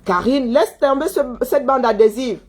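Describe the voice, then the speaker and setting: Scolding woman, high voice. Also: animated, moderate pace. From Cameroon. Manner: scolding, repeats phrases, rhetorical questions. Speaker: commentator answering viewers. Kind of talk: heated live monologue.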